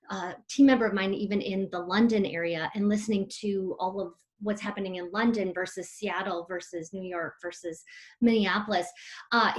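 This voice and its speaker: A woman speaks at an ordinary mid pitch as an executive guest on a remote interview from home. She sounds friendly and upbeat, talking in long, articulate answers with the occasional filler.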